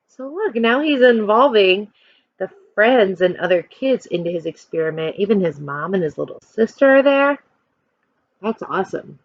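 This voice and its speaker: A woman's voice: mid-range voice, no room sound, lo-fi sound. A woman teacher reading a children's picture book aloud expressively, stopping to explain and put questions to young listeners.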